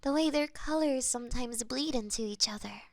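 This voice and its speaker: A woman performing a gentle audio roleplay as a florist friend, soft-spoken and a little flustered, recorded on a binaural microphone. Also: a little high, normal speed, no room sound, clean studio sound.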